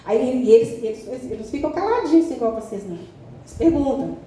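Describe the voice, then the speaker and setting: Woman missionary preacher, Brazilian accent, dark warm tone, echoing church hall with faint noise. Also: a little high, a little fast. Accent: Brazilian Portuguese. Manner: lively, talks straight to the congregation with questions. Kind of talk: church sermon.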